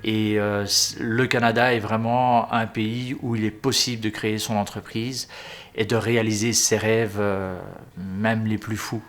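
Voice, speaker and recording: A man in his forties from Europe, a business owner speaking earnestly in a testimonial interview, often pausing to hesitate. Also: fairly low pitch, flat delivery. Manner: earnest, hesitant with frequent pauses.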